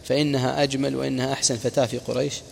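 A man preacher delivers a religious history lesson at a brisk clip, recounting old reports and quoted sayings and stopping now and then for short explaining asides. His voice has a gravelly, creaky edge. The recording carries a long hall reverb and faint background noise. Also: medium pitch, flat delivery, darkish tone. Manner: narrates reports and quoted speech with brief asides.

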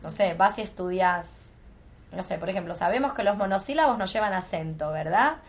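An Argentine woman leads a casual philosophy class, pressing her points and checking in with the room. Her voice sits at an ordinary pitch, captured on a muffled, low-fidelity recording. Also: expressive, brisk. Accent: Rioplatense Spanish. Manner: emphatic, rhetorical, asks "entendés?" often. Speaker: workshop teacher.

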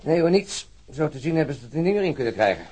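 A man playing a wry, reflective, argumentative police colleague in a crime radio drama, with a husky voice. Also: fairly high pitch, sing-song, fast, warm tone. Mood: teasing.

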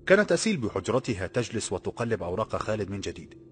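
A man reading a novel aloud in steady, scripted storytelling. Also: lowish voice, very fast, faint music behind. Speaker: audiobook narrator. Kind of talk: scripted narration.

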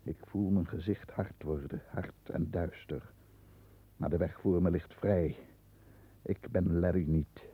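An actor playing a tense, calculating London lawyer who narrates his own dark thoughts in a deliberate, dramatic 1960s radio play style. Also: sits low, breathy edge, exaggerated voice. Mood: hard, agitated. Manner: dramatic, deliberate, halting under strain. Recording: dull lo-fi 1960s radio recording.

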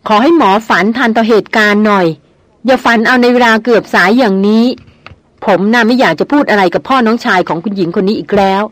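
A woman reading an audiobook, voicing a gruff, hot-tempered male big-game hunter who speaks angrily and sarcastically. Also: fairly high pitch, dry recording, lightly acted. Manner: angry, sarcastic, nearly shouting.

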